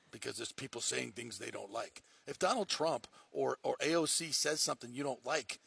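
Gravelly-voiced man ranting on a sports podcast. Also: medium pitch, pushed and bright. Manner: heated, emphatic ranting with mocking quoted voices. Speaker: sports talk show host. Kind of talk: casual sports talk ranting.

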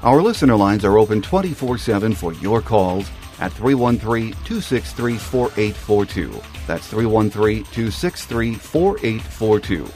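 A man's voice: lowish voice, unhurried, hardly any pauses, faint music behind. A man hosting a sports podcast, reading game notes and promos. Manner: steady announcer delivery, reading notes and promos. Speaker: podcast host.

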